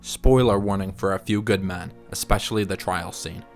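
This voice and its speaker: A man with a fairly low voice narrates a scripted analysis over music. He speaks in a measured, articulate way, explaining each point like an essayist. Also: steady tone. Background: background music.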